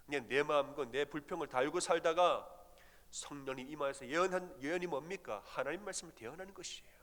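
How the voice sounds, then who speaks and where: A man's voice: on the high side, fast talker, fairly bright tone, big-room sound. A middle-aged man preaching an early-morning sermon as pastor, telling stories and acting out the voices he quotes.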